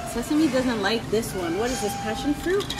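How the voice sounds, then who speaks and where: Clear music plays behind a woman's voice. She speaks at a moderate pace. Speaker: pregnant vlogger. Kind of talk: casual vlog chat. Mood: playful, laughing. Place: cafe. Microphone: phone near.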